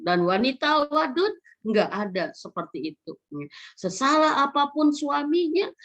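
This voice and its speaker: A woman, giving a religious lecture to a women's study group and asking gently persuasive rhetorical questions. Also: medium pitch, gravelly. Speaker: Islamic women's study teacher. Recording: slightly dull lo-fi recording.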